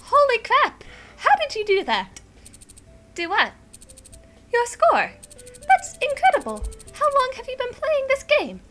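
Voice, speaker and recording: A woman voicing a sarcastic male moose with a high, British-accented voice. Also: wildly swooping pitch, normal speed, a bit bright, soft background music, full character voice. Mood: amazed.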